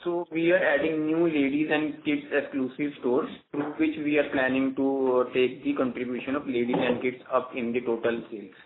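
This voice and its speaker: A man with an Indian accent, a company executive, answering earnings call questions in a hesitant, halting way. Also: medium pitch, level tone. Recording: narrow phone line with light noise.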